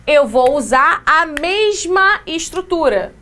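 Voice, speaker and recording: A woman with a Brazilian Portuguese accent teaching an English grammar lesson, explaining with quick examples and playful asides. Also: high-pitched, very animated, pushed and bright. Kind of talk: exam-prep grammar lesson.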